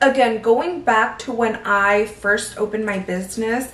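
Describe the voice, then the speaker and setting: Speaking at a very slow pace and a fairly high pitch, a woman uses ordinary pitch variation over noticeable background noise. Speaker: lash artist and YouTuber. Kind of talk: casual tutorial vlog. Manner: stumbles over words; casual, filler-heavy.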